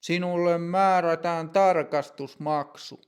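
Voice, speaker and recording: A man's voice: fairly high pitch, fairly even intonation, clean tone, lightly acted. A man voicing a firm, stern ticket inspector in a short lesson dialogue.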